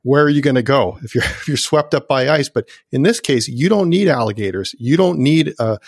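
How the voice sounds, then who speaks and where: A man's voice: medium pitch, expressive, fairly quick, breathy edge, no echo, clean studio sound. A man hosting an interview who asks long, rambling questions and thinks aloud. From United States. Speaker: interviewer host.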